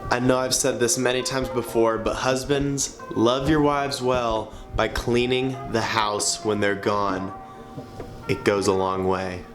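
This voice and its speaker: A man's voice: medium pitch, little pitch movement, measured pace, music in the background. A man in his twenties, a student athlete, narrating his day in an easygoing, casual vlog style. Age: 20s.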